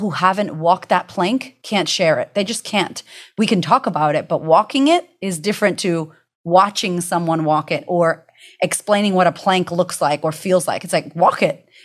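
A woman's animated tone at a moderate pace. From US, Puerto Rican background. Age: 30s. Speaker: confidence coach. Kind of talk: casual interview chat.

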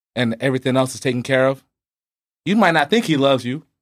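A man with an American accent and a normal speaking voice, medium pitch, ordinary pitch variation and a fairly quick pace, on a very clean recording with a silent background. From US (raised from childhood), South Sudanese family. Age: 30s. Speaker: logistics worker. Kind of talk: casual panel discussion.

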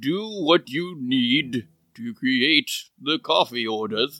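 In a dry, close sound with no echo, a man puts on a character voice at medium pitch, speaking at a very slow pace with lively intonation. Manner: commanding, stern.

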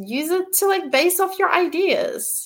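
This woman talks at a very slow pace. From Australia. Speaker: branding strategist. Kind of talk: casual interview. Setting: live stream.

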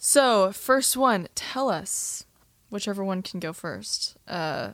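Her pitch medium and her pitch variation ordinary, a woman speaks in an unremarkable speaking voice. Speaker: podcast host, moderator. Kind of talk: casual chat. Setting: studio.

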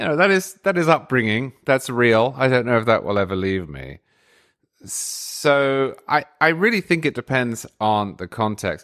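A man with an English accent, very wide pitch swings and a fairly slow pace, on a very clean recording with a silent background. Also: medium pitch for a man. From England. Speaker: political commentator. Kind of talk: conversational interview. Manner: articulate, formal.

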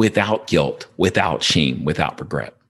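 A man speaks at a moderate pace with very wide pitch swings. There is vocal fry in his voice. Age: 40s. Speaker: podcast host and small business owner. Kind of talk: motivational solo monologue. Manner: repetitive, stumbling restarts.

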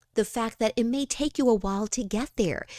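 On a very clean recording with a silent background and a dry, close sound with no echo, a woman speaks at a fairly high pitch with lively intonation. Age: 50s. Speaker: career coach and podcast host. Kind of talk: casual solo podcast talk. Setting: hotel room. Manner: animated.

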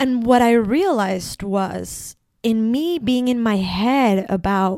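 The recording is very clean with a silent background as a woman talks, her pitch varying in an ordinary way. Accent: Spanish. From Ecuador. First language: Spanish. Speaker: podcast host, spiritual coach. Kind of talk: solo podcast monologue. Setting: at home, living room.

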